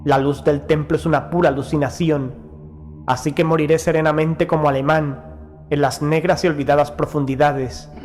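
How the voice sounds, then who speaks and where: A man's voice: on the high side, fairly even intonation, darkish tone, close to an everyday voice. A man playing a proud, doomed Prussian naval officer, narrating a horror audio story in a solemn, formal manner as madness haunts him. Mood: stoic resolve. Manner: solemn, formal, measured diction. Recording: music behind the voice. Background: music.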